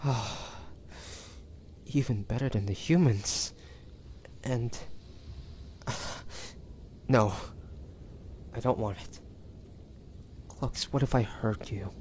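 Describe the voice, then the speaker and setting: Guy doing a tortured hungry demon for audio roleplay, slow halting speech, sighs, mid pitch, faint noise behind. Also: a little mellow. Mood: frightened, tempted. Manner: halting, breathy sighs, drawn-out pleading. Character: tormented young man turned bloodthirsty demon, fighting his hunger. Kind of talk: dramatic audio roleplay acting.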